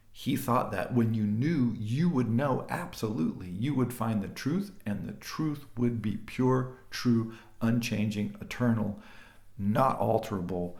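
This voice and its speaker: Heard with audible room echo, a man speaks fairly slowly in a medium pitch with ordinary pitch variation. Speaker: philosophy lecturer. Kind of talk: lecture. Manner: animated.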